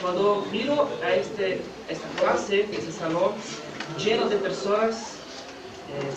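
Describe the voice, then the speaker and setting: A man's voice: high voice, muffled recording. A Brazilian man speaking Spanish as a second language, answering earnestly as a radio interview guest, with some hesitant restarts. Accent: Brazilian Portuguese. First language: Portuguese. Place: school hall during an anniversary event. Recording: echoey room from far off, loud noise.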